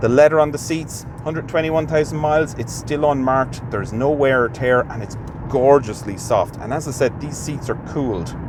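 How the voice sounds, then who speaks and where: With an Irish accent and a fairly high pitch, a man talks at a fairly quick pace with hardly any pauses and ordinary pitch variation over noticeable background noise. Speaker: car reviewer. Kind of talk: car review while driving. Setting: in a car. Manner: hushed.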